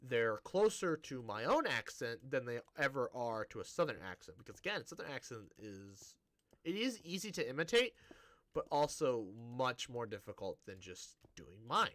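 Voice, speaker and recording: A gaming streamer from the Great Plains with a Midwestern American accent chats casually while live-streaming a game, rambling and restarting his sentences. His voice is medium-pitched, sing-song, and a bit bright, at a moderate pace with no room sound.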